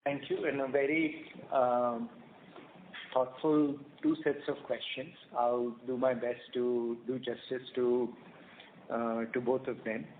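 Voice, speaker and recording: A man answering questions formally as a company executive on an earnings call, speaking in a measured, hesitant way. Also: medium pitch, level tone. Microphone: telephone conference line. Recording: noisy narrowband conference phone line.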